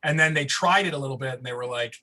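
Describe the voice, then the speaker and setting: A man's voice: medium pitch, fast, sharp tone. A man chatting and explaining things casually over a video call.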